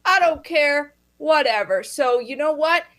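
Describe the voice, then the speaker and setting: A woman's voice: high-pitched, animated, unhurried, fairly bright tone. A woman improvising a judge over a video call, rambling and hedging with many filler phrases. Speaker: improv performer playing a judge.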